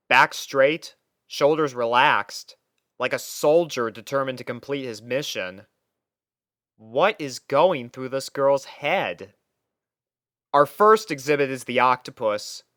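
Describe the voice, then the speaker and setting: A man's voice: mid-range voice, expressive, slow pace, pushed and bright, no room sound, clean studio sound. A man reading scripted first-person story narration as the narrator.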